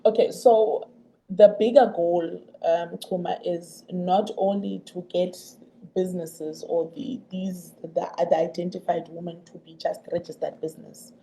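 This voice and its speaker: A woman with a Xhosa South African accent explaining in a radio interview, haltingly and with repeated words. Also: fairly low pitch, fairly even intonation, vocal fry, warm tone, rough recording. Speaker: programme representative being interviewed. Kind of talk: radio interview, mixing two languages.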